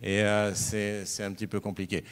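A man with a very low voice speaks on a conference panel. He often stops and restarts his sentences. A long hall reverb trails his words. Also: level tone, moderate pace, clean tone.

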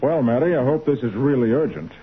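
An actor playing a brisk, unflappable, authoritative male detective in a 1940s radio drama. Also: mid-range voice, lively intonation, close to an everyday voice. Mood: businesslike. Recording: muffled, narrow-band old radio recording.

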